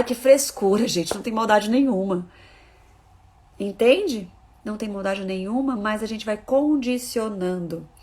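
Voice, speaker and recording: A woman who teaches parenting speaks in a mid-range voice during a live talk, addressing her viewers directly. She is emphatic and keeps repeating her key phrases.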